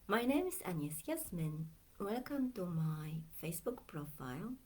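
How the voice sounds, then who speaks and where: A middle-aged woman from Poland with a Polish accent, a coach talking in a slow, reflective way that often drifts into near-whispers. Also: fairly low pitch, very animated. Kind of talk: reflective Facebook video talk.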